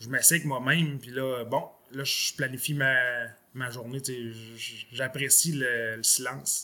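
Very slow and monotone, a man at a medium pitch speaks with flat intonation and big swings in loudness. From Quebec, Beauce region. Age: 40s. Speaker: motivational speaker. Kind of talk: interview testimony.

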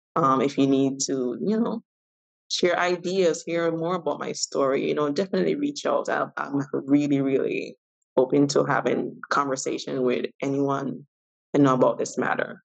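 A speaker with a Jamaican accent talks at a moderate pace. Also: woman. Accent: Jamaican Caribbean English. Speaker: mental health blogger and writer. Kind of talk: interview conversation.

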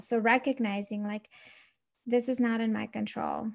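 Somewhat breathy and fairly high in pitch, a woman talks with monotone, flat intonation. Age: 30s. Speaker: stress and emotion coach for moms. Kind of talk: interview conversation.

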